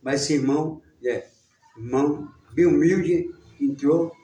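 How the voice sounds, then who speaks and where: Halting church teacher, roomy and distant. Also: male voice, on the high side, mellow, slight background noise. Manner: casual, halting, many repetitions. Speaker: Bible class teacher. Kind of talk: storytelling in a church lesson. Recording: roomy sound, distant mic.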